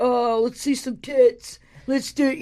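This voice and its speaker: A female-sounding voice puts on a character voice at a high pitch, speaking at a fairly slow pace with monotone, flat intonation. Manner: macho, crude.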